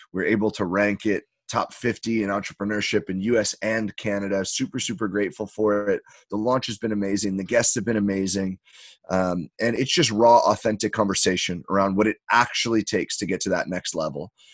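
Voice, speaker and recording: Speaking fairly quickly in a normal speaking voice, a man with a fairly low pitch and fairly even intonation comes through dry and close with no echo, on a very clean recording with a silent background. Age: 20s. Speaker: entrepreneur and performance coach. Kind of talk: casual interview chat. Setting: podcast interview.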